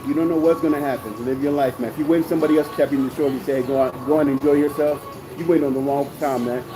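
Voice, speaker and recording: A man talks very fast in a fairly high pitch while music plays in the background. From Panama. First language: Spanish. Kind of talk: casual chat.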